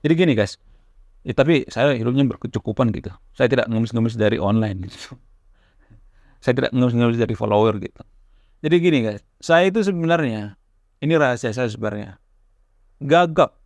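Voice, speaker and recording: A man's voice: medium pitch, lively intonation, normal speed, pauses often, darkish tone, no room sound. A man talking casually to camera as a YouTube host, stammering now and then and restarting his words. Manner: stammers at times, restarts words, conversational fillers. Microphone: camera mic, close.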